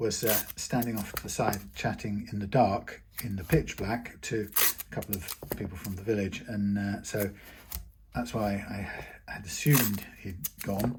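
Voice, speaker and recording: A man with a British accent, fairly low in pitch, with ordinary pitch variation and a fairly slow pace. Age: 60s. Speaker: guitar repair technician. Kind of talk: casual chat; tutorial. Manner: hesitant, many fillers.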